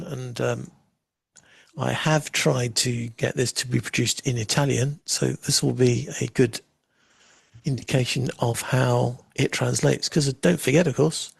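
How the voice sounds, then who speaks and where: A man hosting a live software demo, chatting casually and making wry asides while he waits. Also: medium pitch, creaky, slightly rough, no room sound. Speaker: livestream host demoing software.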